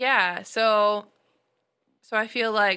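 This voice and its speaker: A woman talks at a medium pitch in a bright, sharp tone. The background is quiet. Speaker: podcast co-host. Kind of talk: casual chat.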